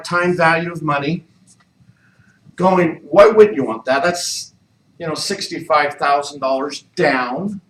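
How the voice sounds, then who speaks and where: A man's voice: a little high, a bit bright, slight background noise. A man leading a real estate training session, coaching the group with repeated questions. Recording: echoey room, mic far off.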